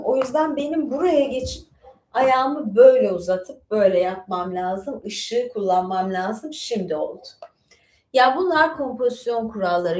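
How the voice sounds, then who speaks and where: A woman hosting a casual livestream, chatting in a rambling way with lots of fillers and asides. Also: fairly high pitch. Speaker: livestream host. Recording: echoey room.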